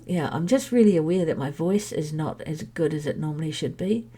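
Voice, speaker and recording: A woman's voice: low-pitched, animated, brisk, mellow, slightly rough. A middle-aged woman with a head cold, talking candidly and chattily in her own personal podcast monologue. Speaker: podcast host sharing her health journey.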